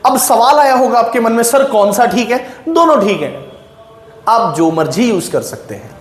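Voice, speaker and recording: A man teaching English grammar in a classroom with an Indian accent. He explains slowly and keeps checking in with his students. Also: high-pitched. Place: classroom with a whiteboard. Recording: echoey room with faint noise.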